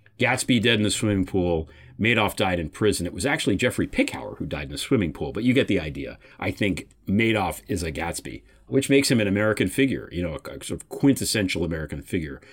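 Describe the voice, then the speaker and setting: A man speaks at a very fast pace in a fairly low pitch, full of vocal fry. His pitch swings very widely. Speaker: podcast host. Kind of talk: interview.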